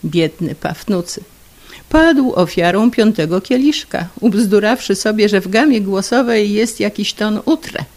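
A woman narrating an old humorous story in a lively, playful storytelling manner. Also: mid-range voice, a little slow.

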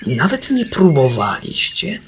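Male reader as an elderly beaver chief, storybook: grave, slow, gravelly. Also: a little high, wildly swooping pitch, a little hiss or hum, pitched above the performer's own voice.

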